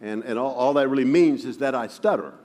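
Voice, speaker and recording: Stuttering preacher in a big hall. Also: male voice, medium pitch, a little fast, darkish tone. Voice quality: stutters, with frequent repeated words. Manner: self-deprecating humor, chuckling as he talks. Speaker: guest preacher. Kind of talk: sermon with personal storytelling. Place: church sanctuary. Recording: long reverb of a large hall.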